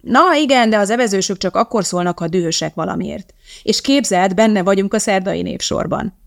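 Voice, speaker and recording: A woman's voice: medium pitch, vocal fry, no echo, studio quality, close to an everyday voice. A woman voicing a cheerful, confident young male scientist in an audiobook, with an upbeat, reassuring manner. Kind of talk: audiobook character voice.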